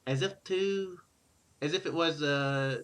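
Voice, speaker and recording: A man's voice: fairly high pitch, slow pace, a bit bright. A man hosting a gaming series in a casual style, hesitant and rambling, talking and reading story text aloud. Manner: hesitant, rambling, self-correcting. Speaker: host of a Let's Play gaming series.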